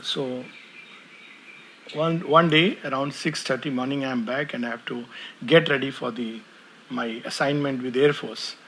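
A man's voice: mid-range voice, steady tone, normal speed, a bit bright, slight background noise. A man giving a spiritual talk, telling anecdotes and chuckling often as he speaks. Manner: chuckles often while storytelling.

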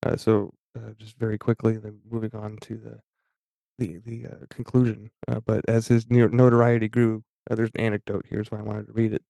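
A man hosting a podcast, talking in a halting, casual way and often stopping to restart his sentences. His pitch stays level with little movement, and his voice has a mellow, dark tone. The recording is close and dry. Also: completely flat delivery, vocal fry, no echo. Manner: halting, many fillers and restarts. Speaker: podcast host. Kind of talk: casual talk reading aloud from an article.

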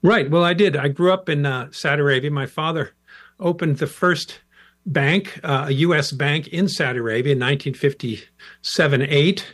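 A middle-aged American man, a professor and interview guest, answering in a relaxed, rambling way with fillers. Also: on the high side, normal speed. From United States.

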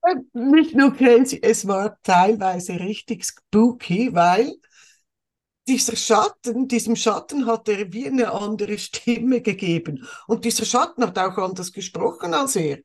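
A woman's voice: on the high side, animated, unhurried, a little mellow. A woman, a podcast co-host and coach, telling a story with emphasis in a casual chat.

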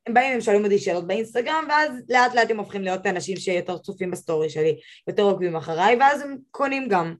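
A young woman, a guest on a podcast, talking in a casual and emphatic way, her voice rising high when she gives advice. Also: lively intonation, few pauses. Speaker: podcast guest, social media expert.

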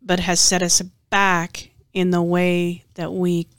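Female co-host, unhurried and measured, reflective casual chat, dry studio-like sound. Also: on the low side, completely flat delivery, clear, resonant tone, dry recording. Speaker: talk show co-host.

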